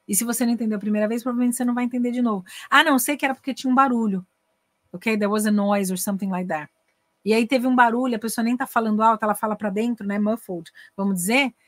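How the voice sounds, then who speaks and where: Lively Brazilian woman teaching English. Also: fairly high pitch, quick pace, no echo. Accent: Brazilian Portuguese. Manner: lively, acts out dialogues, switches between Portuguese and English. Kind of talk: casual online masterclass.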